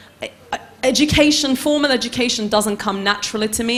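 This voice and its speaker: A woman talks fairly quickly with ordinary pitch variation. There is noticeable background noise. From Iran and Sweden, then England from 13. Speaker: social entrepreneur. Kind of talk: conference talk.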